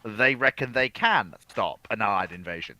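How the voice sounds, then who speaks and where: A man's voice: lowish voice, expressive, normal speed, bright, forceful tone, no room sound. A man speaking as a co-commentator in a casual discussion, explaining his points with emphasis. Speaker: panel co-commentator.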